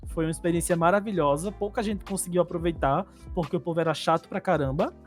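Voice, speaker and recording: Paraiba guy on a podcast, chatty and animated, laughs a lot, soft music under it. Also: on the high side, fast. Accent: Paraíba Northeastern Brazilian. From Paraíba, Brazil. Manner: animated storytelling, laughs often. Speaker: podcast co-host. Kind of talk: casual chat.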